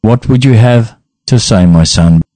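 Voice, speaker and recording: A man's voice: on the low side, warm tone, no echo, lightly acted. A man voicing a stern elderly abbot who talks solemnly and flies into a rage. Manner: solemn and slow, then bellowing.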